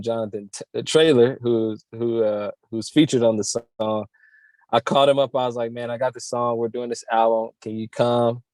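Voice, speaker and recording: A man's voice: medium pitch, mellow, dry recording. A man, a worship musician, talking earnestly in an interview with many restarts. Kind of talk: casual interview.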